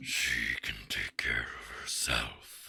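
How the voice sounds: A man's put-on character voice, raspy and growling.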